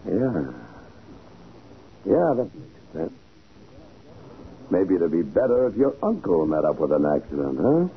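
An actor playing a menacing gambling-house racketeer, mock-polite and slangy, in 1940s radio style. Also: male voice, low-pitched, very animated, measured pace, long pauses, heavily acted. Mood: mocking, threatening. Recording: muffled, hissy 1940s radio recording.

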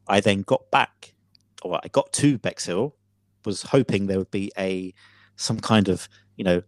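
A man co-hosting a podcast, telling a story theatrically with many pauses and fillers. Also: deep voice, no echo. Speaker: podcast co-host. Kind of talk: casual chat.

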